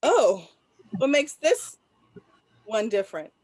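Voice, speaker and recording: Woman reading as an awkward young woman, higher voice. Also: sing-song, takes it slowly, darkish tone, dry recording, exaggerated voice, poor audio. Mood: awkward, friendly. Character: awkward, grieving young woman student, politely covering distress. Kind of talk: virtual table read of a film script.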